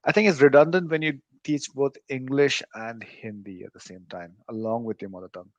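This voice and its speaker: A man's voice: medium pitch, steady tone, fairly quick, dry recording. A man chatting casually on a podcast, tentative and asking questions as he talks. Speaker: podcast co-host. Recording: dull lo-fi mic.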